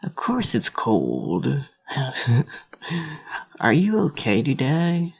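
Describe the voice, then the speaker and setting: A man playing a friendly, concerned office coworker with a breathy voice in an amateur audio drama. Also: mid-range voice, wildly swooping pitch, very slow, full character voice. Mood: teasing. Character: friendly, concerned male office coffee runner.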